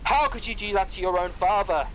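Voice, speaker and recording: Mechanical man for fantasy audio play, male performer; high, formal, naively literal, recorded over some background noise. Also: a little fast, a bit bright, low-quality recording. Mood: matter-of-fact. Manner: stiff, formal, uncontracted phrasing. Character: literal-minded emotionless clockwork mechanical man, loyal. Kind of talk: audio drama acting.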